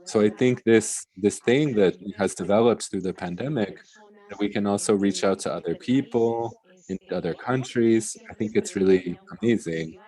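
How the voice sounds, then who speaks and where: An interpreter rendering a panel discussion into English live, in halting phrases with pauses. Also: sits low, warm tone, poor audio.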